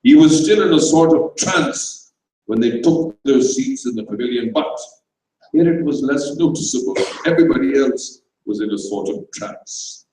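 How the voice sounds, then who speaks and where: A man's voice: mid-range voice, lively intonation, moderate pace, warm tone. Theatrical male storyteller in a very echoey room. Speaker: story reader. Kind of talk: dramatised comic short story reading for an audience. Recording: very echoey room, distant microphone.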